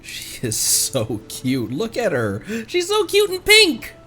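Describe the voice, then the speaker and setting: A man's voice: high voice, wildly swooping pitch, takes it slowly. A man live-streaming casual game commentary in a giggly, gushing way. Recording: game music faintly behind. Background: video game music.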